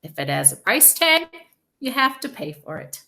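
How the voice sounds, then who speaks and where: Lady doing a blunt cashier guy from a storybook, raised pitch, forceful, wont back down. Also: sing-song, normal speed, creaky, exaggerated voice. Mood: insistent. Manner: blunt, emphatic, arguing. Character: pushy, insistent male store cashier.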